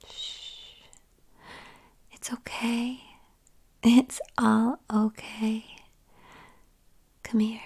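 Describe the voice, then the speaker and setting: A woman whispering softly and tenderly into a close mic in an intimate ASMR roleplay. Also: mid-range voice, breathy edge. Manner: tender, soothing.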